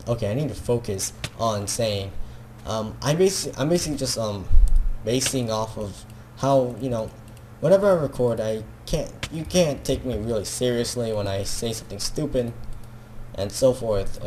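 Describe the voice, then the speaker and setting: A man's voice: medium pitch, darkish tone, slight background noise. A young man with a Filipino accent, rambling self-consciously in a casual video, full of fillers and restarts. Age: teenager. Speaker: gaming video creator.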